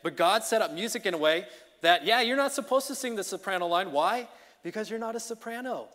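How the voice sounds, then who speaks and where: Chatty preacher in a reverberant church. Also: male voice, sits high, a little fast. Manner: conversational, energetic, often checks in with "okay?" and "you know". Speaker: preacher and song leader. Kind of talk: informal midweek sermon. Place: church sanctuary. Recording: long reverb of a church hall.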